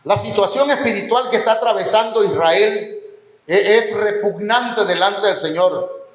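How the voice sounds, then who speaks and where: In an echoey church hall, a pastor with a Mexican Spanish accent preaches a sermon, building emphasis and slipping in the odd joke. His voice sits high and moves a little slowly.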